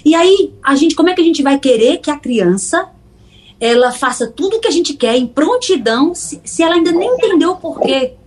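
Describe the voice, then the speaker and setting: A middle-aged psychologist from Pernambuco speaks with a Northeastern Brazilian accent. Her voice sits a bit high and moves a lot in pitch as she explains. She keeps slipping into little voiced scenes of parents and children. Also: a little fast. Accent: Northeastern Brazilian Portuguese. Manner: animated, acts out parents and children in quoted dialogue. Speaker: psychologist guest. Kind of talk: explanatory interview talk.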